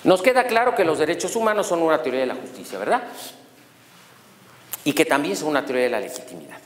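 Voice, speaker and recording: A middle-aged man giving a lecture on law, animated and throwing rhetorical questions at his audience. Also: fairly high pitch, fast. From Mexico. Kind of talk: university lecture on human rights. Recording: echoey hall with long reverb.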